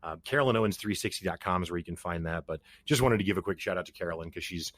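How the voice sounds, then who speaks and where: A man hosting a casual podcast interview, his voice fairly low and recorded dry and close. He eases into his questions with friendly hesitation, using many ums and restarting his sentences. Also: rapid-fire, fairly bright tone, dry recording. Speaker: podcast host.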